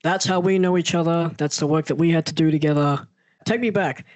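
A man's voice: on the high side, steady tone, fairly quick, dry recording, poor audio. A man hosting a casual podcast interview, friendly, piling up several questions at once. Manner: friendly, asks stacked questions, says man and yeah a lot. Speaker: podcast host.

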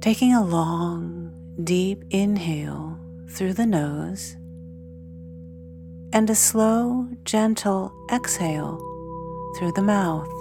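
A woman leading a guided meditation in a soothing, measured way, leaving long pauses between phrases. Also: on the low side, vocal fry. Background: meditation music with singing bowls.

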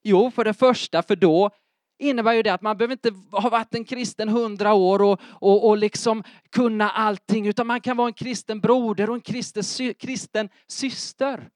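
A middle-aged man preaching a sermon in church, lively and emphatic, often asking his congregation if they are following. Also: sits high, no echo, studio quality. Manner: keeps checking in with the congregation with questions. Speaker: pastor.

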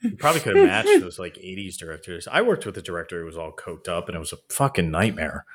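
A man's voice: low-pitched, huge pitch swings, fast. A man co-hosting a casual podcast, rambling along with fillers and swearing, recorded at home in a new apartment with roomy reverb. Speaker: podcast co-host. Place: new apartment, setup not finished. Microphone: home podcast mic under a blanket tent.

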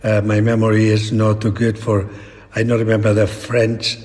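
A very old man with a Spanish accent, talking reflectively in an interview in halting, broken English with repeated words. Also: on the low side, completely flat delivery, a little mellow. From Spain. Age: elderly. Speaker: painter being interviewed. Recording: long echoing reverb in a hall.

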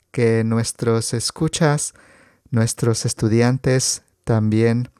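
A man's voice: medium pitch, a little mellow, clean tone, no room sound, clean studio sound. A Mexican man hosting a Spanish lesson, explaining words for learners and laughing easily. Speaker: podcast host and Spanish teacher. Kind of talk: slow teaching conversation for learners.

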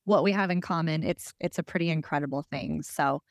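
A woman's voice: sits low, fairly quick, gravelly, no echo, clean studio sound. A woman hosting a podcast conversation, introducing guests and putting questions to them. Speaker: podcast host.

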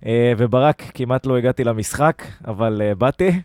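A man's voice: mid-range voice, a little mellow, no room sound, studio quality. A man hosting a casual football fan podcast, talking conversationally and weighing things up as he goes. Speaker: podcast host.

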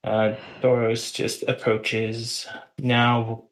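A man's voice: mid-range voice, monotone. A man playing in a tabletop game, speaking hesitantly. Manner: hesitant, halting. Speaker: player. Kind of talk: casual tabletop role-play.

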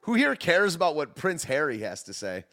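A man with a slight lisp hosts a rambling, scoffing reaction stream. He sits a bit above the usual male pitch and swings it up and down a lot. Faint music plays under his voice. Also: wildly swooping pitch, moderate pace, bright, forceful tone. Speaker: streamer host. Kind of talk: casual reaction commentary.

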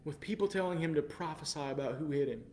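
A man preaching a sermon with passion, moving between quiet, measured passages and loud, incredulous outbursts. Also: fairly high pitch, slight background noise. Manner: impassioned, swings from quiet to loud exclamation.

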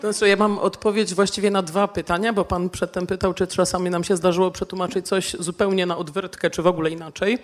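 A woman's voice: fairly low pitch, little pitch movement, quick pace, hardly any pauses. A woman from the Czech Republic, a song translator on a discussion panel, speaking with a Czech accent as a non-native speaker and explaining things with hesitant fillers.

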